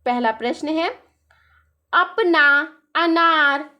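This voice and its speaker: A woman's voice: sits high, extremely slow, bright, forceful tone. A woman teaching a primary-school lesson, explaining patiently step by step and often checking in with the class.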